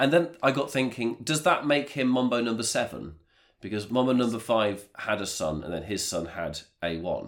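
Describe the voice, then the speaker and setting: A man of medium pitch at a moderate pace, with very wide pitch swings and vocal fry. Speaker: podcast host. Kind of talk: casual chat. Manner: joking.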